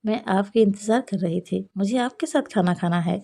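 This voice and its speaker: A woman voicing a gentle young woman who coaxes and reassures, read as a storybook figure. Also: medium pitch, normal speed, vocal fry. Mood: reassuring. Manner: soft, coaxing. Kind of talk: storybook narration.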